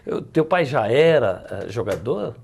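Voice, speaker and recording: A man's voice: medium pitch, very animated, measured pace, creaky, darkish tone, husky. Brazilian man hosting a sports talk show. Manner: formal broadcaster delivery with folksy follow-ups. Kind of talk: local TV sports interview. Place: TV studio.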